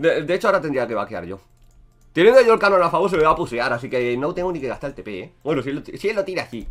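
Talking at a very fast pace, a man with a fairly high pitch shows very wide pitch swings, big swings in loudness, and vocal fry. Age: 30s. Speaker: gaming streamer. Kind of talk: live gameplay commentary. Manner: animated. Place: home room.

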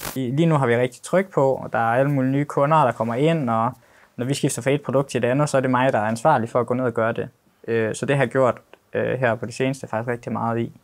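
Intonation stays fairly even as a man speaks very fast. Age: 20s. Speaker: engineer. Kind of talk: casual chat. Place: studio. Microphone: lapel.

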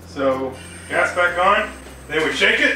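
The speech has ordinary pitch variation and a moderate pace, with audible room echo and faint music in the background. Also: man. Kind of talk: casual tutorial. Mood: playful, amused. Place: kitchen.

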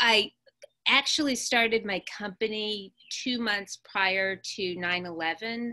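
A woman's fairly high, bright, sharp voice at a very slow pace. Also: ordinary pitch variation, dry, close sound with no echo. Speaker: recruiter. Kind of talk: webinar presentation. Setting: video call.

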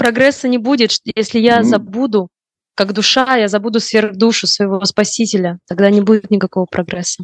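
This woman has an ordinary speaking voice, fairly high in pitch, delivered at a fairly quick pace with fairly even intonation and very even loudness, in a dry recording with no echo and a quiet background. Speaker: interpreter. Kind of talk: consecutive interpreting. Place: home room. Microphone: video call.

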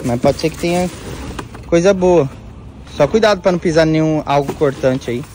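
A man talks at a moderate pace with a fairly high pitch and ordinary pitch variation. Long, frequent pauses break up the speech, and the dry sound with no echo carries light background noise. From Brazil. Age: 20s. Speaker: vlogger. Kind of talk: casual vlog narration. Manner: animated. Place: street. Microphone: phone near.

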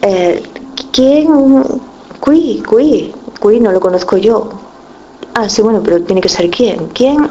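The speech comes at a very slow pace with long, frequent pauses and lively intonation. Noticeable background noise runs underneath. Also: woman. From Spain. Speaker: French language learner. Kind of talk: tutorial. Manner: halting.

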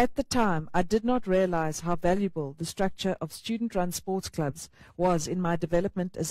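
Her tone is dark and mellow, and the speaker is a woman. The sound is dry with no echo, and the background is quiet. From South Africa. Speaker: sports administrator. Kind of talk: panel talk. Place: studio.

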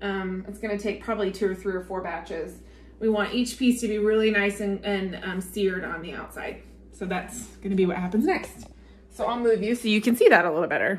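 The speech moves at a fairly quick pace with fairly even intonation. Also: woman. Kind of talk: casual cooking tutorial. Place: kitchen. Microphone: phone near.

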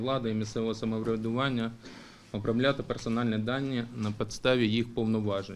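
Light background noise sits under a man's voice. He speaks at a fairly quick pace with monotone, flat intonation. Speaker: government official presenting a bill. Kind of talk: formal committee presentation. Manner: formal. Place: meeting room. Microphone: podium.

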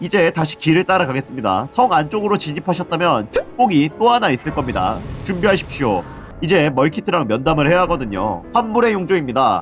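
Music sounds in the background. Over it, a man speaks at a fairly high pitch. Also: fairly quick pace. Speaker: game guide YouTuber. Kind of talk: game tutorial narration.

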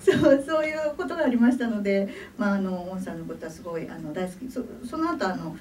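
Over light background noise, a woman speaks at a fairly quick pace, her loudness swinging a lot and her pitch swinging very widely. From Tokyo, Japan. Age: 50s. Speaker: novelist. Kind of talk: book event talk. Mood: warm, smiling. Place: hall.

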